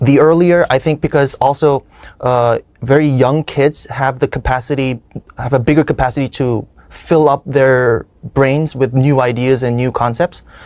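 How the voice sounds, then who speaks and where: A man's medium-pitched voice at a moderate pace, with fairly even intonation and a dry, close sound free of echo. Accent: Korean. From South Korea. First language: Korean. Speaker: IELTS test candidate, student. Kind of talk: speaking exam answers. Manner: halting with self-corrections.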